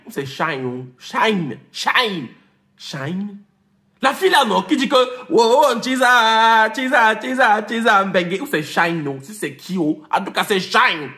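Animated guy doing a jokey rant for his viewers, high bright voice, jumps all over, laughs mid-sentence. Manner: animated, teasing, repeats names, mixes in English; laughs while talking. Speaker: vlogger. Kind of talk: comic rant to camera.

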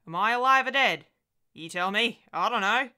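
A woman's voice: mid-range voice, expressive, moderate pace, bright, forceful tone, smooth, voice pushed up. A woman voicing a crazed old woman who lives in a condemned house, speaking in clipped, brooding phrases that rise into agitation. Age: older.

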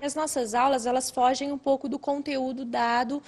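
A Brazilian woman in her thirties explains her work as a teacher in an interview. Her voice is somewhat high. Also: little pitch movement, normal speed, a little mellow. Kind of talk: interview answers. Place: classroom. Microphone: handheld interview microphone.

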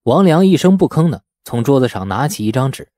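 A male audiobook narrator with a mellow, warm tone and a medium pitch. He reads fiction dramatically, with lively intonation, in a dry, close recording. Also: brisk, no echo. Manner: expressive storytelling. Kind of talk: dramatic scripted narration of a novel.

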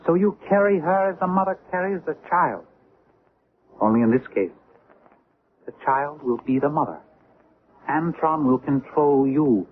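A man's voice: fairly high pitch, breathy edge, heavily acted. A man acting in a 1970s radio drama as an imperious, zealous alien leader with a grandiose, commanding manner. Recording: tinny, noisy old radio drama recording.

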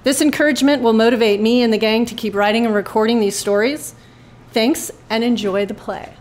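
A woman's voice: a little high, fairly even intonation, fairly quick. A woman hosting and narrating a radio drama podcast, reading scripted introductions live in a club. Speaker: host and writer.

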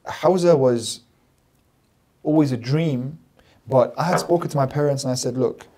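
Here a man in his thirties from London, with a warm, dark, mid-range voice, talks at a moderate pace. He is the emphatic guest religious scholar on a studio podcast, earnestly explaining and listing phrases repeatedly. The small set has plants, and a desk mic on a stand captures his voice.

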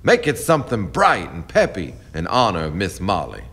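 Man playing bright-voiced, swaggering riverboat captain. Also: low voice, wildly swooping pitch, moderate pace, full character voice. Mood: genial, courtly. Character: confident, charming, proud riverboat captain, male. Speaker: actor. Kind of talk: stage-like radio drama acting.

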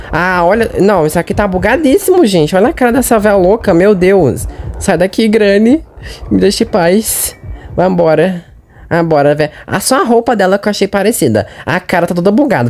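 A man's voice: high voice, darkish tone. Jumpy Brazilian man narrating a horror game. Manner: chatty and jumpy, talks straight to viewers. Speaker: gaming channel host. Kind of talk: horror game let's play commentary.

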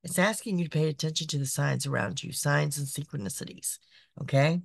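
A woman, hosting a psychic podcast, her voice raspy from being sick, chatty and repetitive. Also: low-pitched, a little fast, no echo, studio quality. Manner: chatty, repeats phrases, frequent "okay". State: raspy voice from illness. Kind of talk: casual monthly horoscope reading. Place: small decorated home room.

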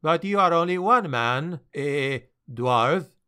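A man voicing an excitable male sea captain with a French accent and broken, emphatic English. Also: on the high side, slow, clean tone, heavily acted. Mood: persuasive.

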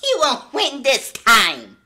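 A man's voice: very high voice, wildly swooping pitch, slow pace, heavy background noise, full character voice. A man voicing a bratty young turtle-monster villain child in a taunting, childish cartoon manner, as for an audition. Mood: gloating menace.

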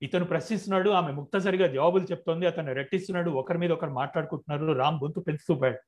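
A man reads a passage from his own novel in a steady, measured narrating voice. His voice sits a little high for a man. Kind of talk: reading a novel aloud.

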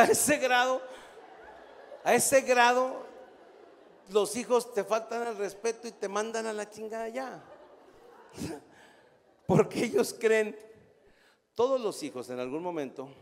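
Older Mexican stand-up, raised pitch, crude and animated, long hall reverb. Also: male voice, moderate pace, vocal fry, long pauses. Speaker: stand-up comedian. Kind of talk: stand-up routine.

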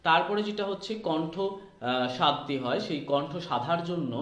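A man with a fairly high voice speaks as an acting coach, explaining and advising in an informal teaching style. He addresses the listener directly. The recording has a strongly echoing room sound. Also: animated, moderate pace, a bit bright. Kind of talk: informal instructional talk. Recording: echoey room.

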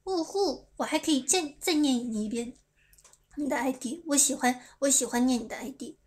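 A woman's voice: sits high, moderate pace, a little mellow. A young woman from China chatting playfully with fans on a livestream, reading their comments aloud and stumbling over English words. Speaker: idol livestream host. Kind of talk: casual livestream chat with fans.

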